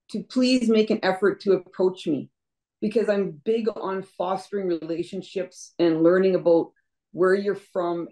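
A middle-aged Canadian woman, a deputy mayor running in an election, answers earnestly in a warm, medium-pitched voice, often repeating words. She speaks from a room in her home over a video call on a laptop webcam.

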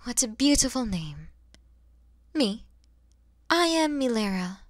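A woman voicing a kind, motherly mature dragon in an ASMR roleplay, speaking softly and breathily with tender, soothing warmth. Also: on the high side, very animated, slow pace, no room sound, clean studio sound. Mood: grateful, gentle. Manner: soft, breathy, soothing, often near-whispered.

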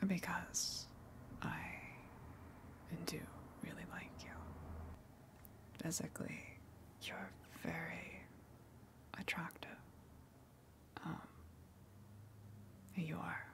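A woman voicing a lonely, gentle tentacled sea monster in a breathy whispered ASMR roleplay, hesitant and earnest as she speaks. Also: sits low, expressive, exaggerated voice. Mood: shy, candid. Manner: hesitant, confessional, halting, earnest.

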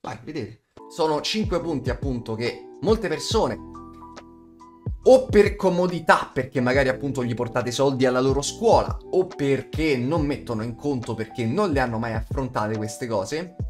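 A man's voice: mid-range voice, lively intonation, moderate pace, darkish tone, faint music behind. A man, talking casually and bluntly to camera in colloquial, sweary language. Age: 20s. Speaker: YouTuber, aspiring voice actor. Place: small bedroom, indoors. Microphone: studio condenser mic on desk.

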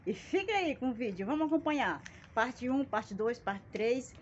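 A woman's voice: on the high side, animated, moderate pace. A Brazilian woman in her forties chatting casually to her phone at arm's length, with a folksy, self-mocking, jokey manner. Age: 40s. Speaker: plant channel vlogger. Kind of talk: casual chat to camera. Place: small outdoor plant-filled yard by a wall. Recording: dull phone audio with background noise.

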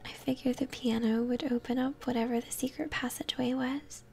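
A woman's voice: high voice, steady tone, a little fast, creaky, darkish tone. A young woman whispers ASMR game commentary, chatting encouragingly to her viewers. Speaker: game streamer. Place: indoor room at home. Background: video game music.

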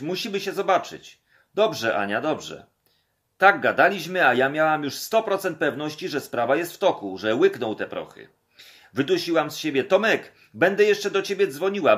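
An audiobook narrator reads a chapter from a script, giving the quoted dialogue expressive delivery in his own voice. He sounds a bit bright, with a pitch on the high side.

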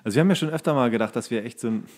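Male podcast co-host, medium pitch, loose rambling delivery, colloquial and crude in casual chat. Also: racing, a little mellow. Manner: rambling, colloquial with coarse slang.

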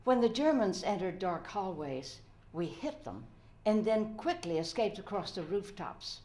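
A woman's voice: medium pitch, sing-song, measured pace, dark tone. An older woman playing a resolute ghetto resistance fighter in an earnest, declamatory dramatic reading. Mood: grave, resolute. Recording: roomy echo.

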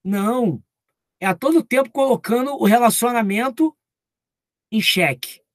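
A man's voice: very high voice, expressive, unhurried, no echo, studio quality. A man preaching at a live Bible study, talking conversationally and acting out little dialogues. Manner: conversational, acts out quoted dialogue.

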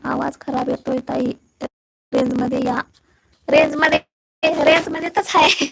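Bright high-voiced Marathi woman live-streaming. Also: fairly even intonation, a little slow, creaky, slight background noise, rough recording. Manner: chatty, keeps checking her audio with viewers. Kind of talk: casual live chat with viewers. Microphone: phone.

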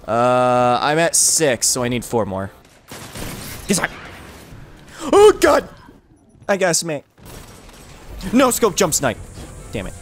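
A man giving casual, excitable live gameplay commentary, full of banter and repeated phrases. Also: medium pitch, takes it slowly, long pauses, faint music behind. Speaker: gaming streamer.

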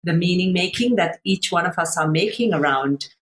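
A thoughtful middle-aged woman from Sri Lanka talks as a coach on a video call from home. Her voice sits a little low, and she pauses often, filling the gaps as she searches for the right words. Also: expressive. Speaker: master coach, panel guest. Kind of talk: reflective panel discussion. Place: room at home.

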